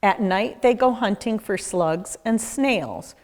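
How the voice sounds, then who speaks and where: A woman narrates a children's nature book at an unhurried pace. Her mid-pitched voice rises and falls animatedly, with deliberate pauses for young listeners. The room adds a long, echoing reverb. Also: animated, a little mellow. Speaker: nature educator reading a children's book aloud. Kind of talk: children's read-aloud narration.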